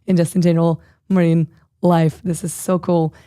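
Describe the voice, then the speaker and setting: Hoarse, husky-voiced woman hosting a stream. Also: on the low side, little pitch movement, moderate pace, mellow. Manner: chatty, reads viewer comments aloud with many fillers. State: hoarse, lost voice. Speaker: live stream host. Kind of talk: casual live stream chat.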